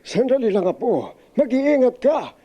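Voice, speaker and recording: A man's voice: extremely high pitch, sing-song, unhurried, warm tone, dull audio, pitched above the performer's own voice, exaggerated voice. A man voicing a protective old grandfather from a cartoon adventure, urgently cautioning his grandchild. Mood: urgent warning.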